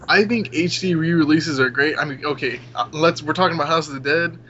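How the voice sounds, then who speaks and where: A man's voice: a little high, brisk, pushed and bright. A young man in a casual gaming discussion, giving opinions in an emphatic, slangy, informal way. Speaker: podcast panelist. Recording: muffled audio with clear background noise.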